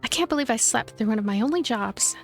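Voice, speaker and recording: Woman, higher voice, let's play host, expressive visual novel narration, music underneath. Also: fast talker. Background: background music.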